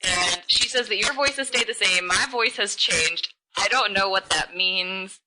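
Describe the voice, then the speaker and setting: A woman co-hosting a podcast, chatting casually and rambling in quick bursts. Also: medium pitch, sharp tone, a little hiss or hum, low-quality recording. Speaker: podcast co-host. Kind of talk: casual chat.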